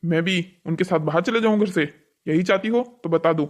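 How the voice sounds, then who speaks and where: A strict, unyielding family man from a cartoon drama voiced by a man. He speaks in a somewhat high male voice, with a firm, lecturing manner. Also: fairly quick, natural voice. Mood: firm, irritated. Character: strict, unyielding father and husband. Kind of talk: scripted cartoon story dialogue.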